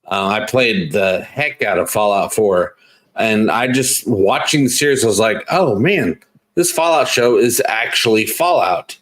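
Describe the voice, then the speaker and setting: A man's voice: lowish voice, animated, a little slow, fairly bright tone. A man co-hosting a casual podcast, chatting with enthusiasm as a fan. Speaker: podcast co-host. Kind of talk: casual chat.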